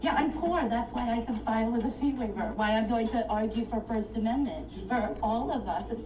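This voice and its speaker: A woman's voice: on the high side, a little fast. A woman filing her own case at a courthouse clerk's counter, complaining in an agitated, indignant rush. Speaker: self-represented litigant filing a case. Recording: echoey, distant, muffled and noisy.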